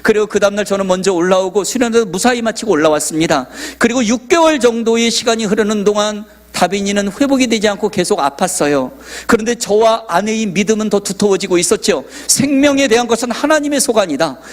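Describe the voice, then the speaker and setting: High-voiced man preaching a story. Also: expressive, quick pace, hardly any pauses. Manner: storytelling, acting out quoted dialogue. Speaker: pastor. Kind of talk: sermon testimony.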